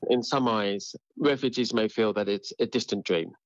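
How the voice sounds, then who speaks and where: A man who runs sport programs, speaking in a news interview clip, quick with restarts. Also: fairly low pitch, no room sound, dull audio.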